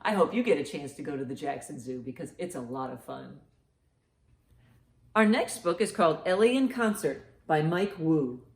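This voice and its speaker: Sitting low and animated, this woman's voice keeps a moderate pace as she reads stories and poses riddles to young children. She's an encouraging host who reacts to answers in a big, exaggerated way, in a roomy, echoing recording.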